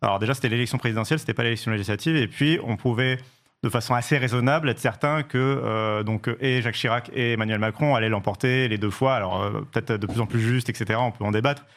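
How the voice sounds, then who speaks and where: Fast-talking man in his thirties, full of fillers. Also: medium pitch, a bit bright. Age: 30s. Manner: fast, hesitant, many fillers and restarts. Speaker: journalist and campaign organizer. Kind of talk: political discussion.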